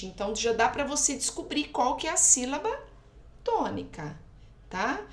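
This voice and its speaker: Woman teacher, patient and explanatory, lively higher voice, roomy echo. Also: normal speed. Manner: patient, explanatory, keeps checking with "tá?". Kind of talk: recorded remote lesson explaining exercises. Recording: echoey room.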